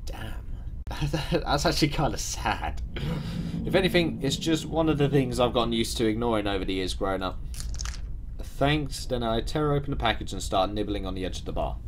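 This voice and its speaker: A man reading a visual novel aloud as the streamer, expressive, with his own asides. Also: mid-range voice, moderate pace, background noise. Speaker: game streamer.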